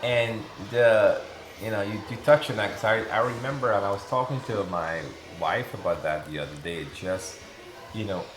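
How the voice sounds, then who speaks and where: The speaker has a Caribbean accent and lively intonation at a moderate pace. Audible room echo and noticeable background noise fill the recording. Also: man, fairly low pitch for a man. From Guyana. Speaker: interviewer. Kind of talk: interview. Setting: live press event.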